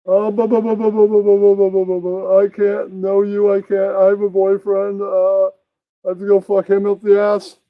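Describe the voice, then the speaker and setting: Man doing a high, stammering, babbling puppet. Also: monotone, moderate pace, no room sound. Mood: flustered, evasive. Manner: stammering, babbling nonsense syllables. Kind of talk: improvised adult puppet comedy. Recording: dull, muffled lo-fi sound.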